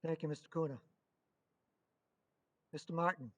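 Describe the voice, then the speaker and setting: A man's voice: on the high side, fairly even intonation, normal speed, fairly bright tone. A man acting as moderator, formally chairing a public meeting in brief procedural phrases.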